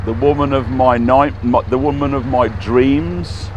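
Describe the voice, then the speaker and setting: A man's voice: mid-range voice, steady tone, unhurried. A man with a British accent chatting casually and giving a jokey, teasing running commentary from a narrowboat. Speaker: narrowboat vlogger. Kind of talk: casual chat and running commentary while boating. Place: outdoors on a moving narrowboat. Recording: muffled outdoor recording, loud engine and wind noise.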